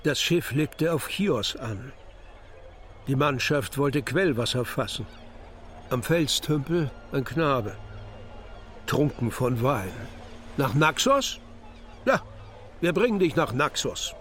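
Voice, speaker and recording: An actor playing an earnest seafarer telling his tale deliberately in a radio play of epic verse. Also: mid-range voice, sing-song, fairly bright tone, slight background noise. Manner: deliberate storytelling.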